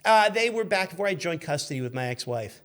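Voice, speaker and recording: A man in his fifties with a voice pitched a bit high for a male. He talks as a relaxed guest swapping stories, full of asides and self-corrections. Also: fast talker. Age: 50s. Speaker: guest, car magazine editor. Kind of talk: casual conversational storytelling.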